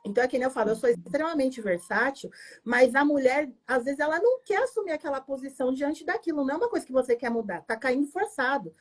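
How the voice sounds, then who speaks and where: Speaking fast in a high, husky, animated voice, a female pastor recounts her own testimony. She tells it with strong emotion and emphasis, repeatedly tagging her sentences with "né?".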